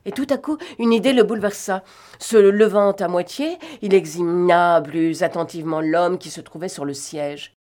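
A woman narrating a novel in an expressive, dramatic reading. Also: lowish voice, moderate pace. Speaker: audiobook narrator.

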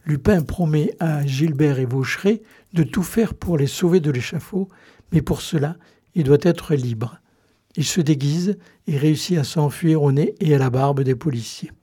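A man presenting a calm scripted summary before a reading. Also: a little high, moderate pace, slightly rough. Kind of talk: scripted introduction.

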